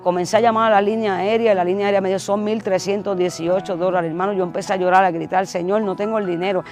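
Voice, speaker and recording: A woman's voice: mid-range voice, fairly even intonation, quick pace, a little mellow, faint music behind. A woman preacher telling an emotional testimony in a fervent sermon style, often calling her listener brother.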